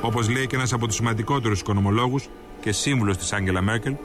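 A man's voice: lowish voice, music in the background. A man reading scripted documentary narration in a serious manner.

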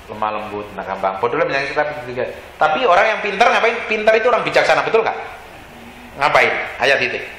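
A man preaching to his congregation in a casual, slangy sermon, voice pitched high and swinging widely up and down. He keeps firing questions at the listeners. The sound is roomy and echoing, with a faint hum of ambience behind. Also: big pitch swings, fast, pushed and bright. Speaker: pastor. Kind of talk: lively sermon. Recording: echoey hall with faint ambience.

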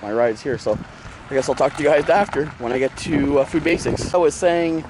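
A man's voice: a little high, fairly quick, darkish tone, slight background noise, poor audio. A man, congested from a cold, rambling casually to a handheld camera as he walks around town. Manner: rambling, chatty, many fillers. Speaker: vlogger. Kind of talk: casual vlog talk to camera. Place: bedroom, outdoors on streets, in a store. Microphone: handheld action camera at arm's length.

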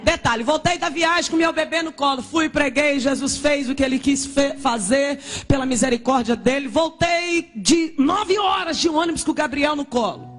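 A woman missionary from Brazil preaching a fervent pentecostal sermon and testimony, often shouting and speaking in tongues. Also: high-pitched, moderate pace, faint music behind.

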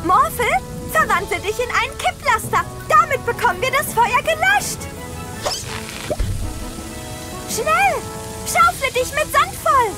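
A woman's voice: very high-pitched, animated, moderate pace. A woman voicing an eager, earnest little girl in a children's cartoon dub. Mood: urgent. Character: eager, caring little girl with a magical pet. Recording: loud music behind. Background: cartoon music.

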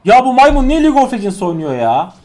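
Young man, gaming commentary, high voice, wildly swinging pitch, exasperated ranting, keyboard typing behind. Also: big pitch swings, quick pace. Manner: exasperated ranting, swings from loud yelling to low grumbling. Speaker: gaming streamer. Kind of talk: live gameplay commentary.

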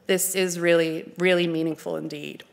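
A woman in her forties from Canada with a Canadian accent, giving a measured, articulate art history lecture from a lectern on a dark stage. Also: fairly low pitch, little pitch movement, creaky. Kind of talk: formal lecture.

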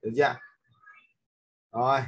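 A man's voice: mid-range voice, level tone, normal speed, a bit bright, husky. A man teaching an app step by step, with many fillers and frequent checks that his listeners are following. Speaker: instructor. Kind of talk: screen-recorded app tutorial.

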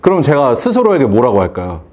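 Speaking fast with a darkish tone, this man's medium-pitched voice swoops wildly up and down. He owns a hair salon and is giving a motivational talk to a seated crowd, asking rhetorical questions and playing out phone calls.

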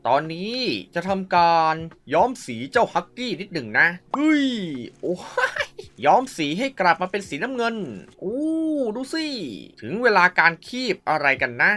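A man's voice: sits high, very animated, moderate pace, sharp tone. A man giving playful mobile game commentary, full of exclamations and mouthed sound effects. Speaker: mobile game YouTuber and host.

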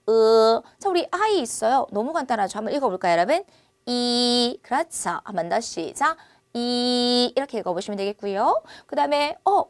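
A woman teaching Chinese as a language teacher in an online lesson. She talks in a lively way and drills the vowel sounds loudly and slowly. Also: fairly high pitch, dry recording.

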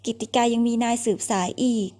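A woman's voice: a little fast, a little mellow. Woman narrating a romance audiobook. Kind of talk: scripted novel narration.

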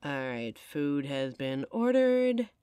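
A woman plays a devoted young girlfriend in an audio roleplay, frank and caring, speaking right to the listener. Her pitch rises and falls a lot as she talks. The sound is dry and close-miked. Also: very animated, slow, dark tone, clear, resonant tone, no room sound, exaggerated voice. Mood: tender, reassuring. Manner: speaks straight to the listener, intimate and emotional.

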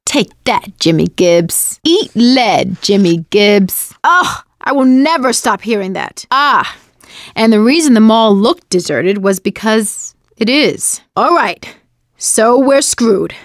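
A young female survivor in a zombie shooter game. Her voice is fairly high and swings widely in pitch, with a sassy, sardonic, wisecracking delivery. The sound is dry, with no room on it. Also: takes it slowly, no room sound. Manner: sardonic, expressive. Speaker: video game voice actress. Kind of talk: video game combat barks and quips.

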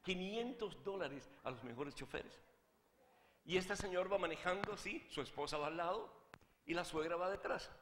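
A man preaching as a Catholic priest, swinging from hushed asides to shouted fervor. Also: high-pitched, animated, moderate pace, roomy sound, big-room sound, noisy background. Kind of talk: sermon with a joke.

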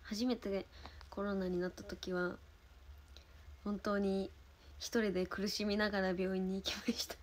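A woman's voice: medium pitch, level tone, a little slow, pauses often, slight background noise. Chatty young woman with Osaka lilt. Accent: Osaka Kansai. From Osaka, Japan. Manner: chatty, thanks viewers between stories, soft murmured asides. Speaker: idol livestream host. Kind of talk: casual livestream chat.

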